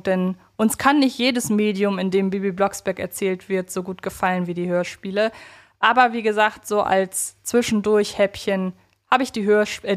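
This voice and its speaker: A woman with a German accent co-hosting a fan podcast, talking conversationally in a reflective, wordy way and correcting herself as she goes. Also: medium pitch. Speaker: podcast co-host.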